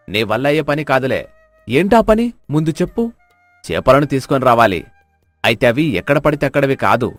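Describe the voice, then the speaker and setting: A man plays a rough, scheming villager in a cartoon tale. He is gruff and challenging, with very lively intonation, recorded dry. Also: medium pitch, dry recording, close to an everyday voice. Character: rough, scheming village men: troublemaker and deep-voiced fisherman. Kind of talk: animated moral story dialogue.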